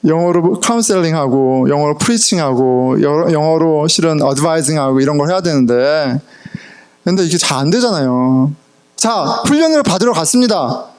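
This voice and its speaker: A man's voice: fairly high pitch, moderate pace, clear, resonant tone. A middle-aged man preaching a sermon as pastor, telling personal stories with laughter and English words mixed in. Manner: animated storytelling, laughs often, mixes in English words. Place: church sanctuary.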